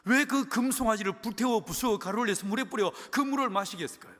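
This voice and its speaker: A man with a Gyeongsang accent preaching a sermon, telling the story in a lively, colloquial, humorous way. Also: sits high, fast talker. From Gyeongsang, Korea. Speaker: pastor. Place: church sanctuary. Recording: long church hall reverb.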